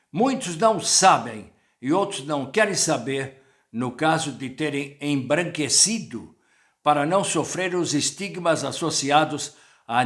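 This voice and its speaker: A man's voice: on the high side, fairly bright tone. An older man, a journalist, giving a reflective spoken commentary that quotes sources and asks rhetorical questions.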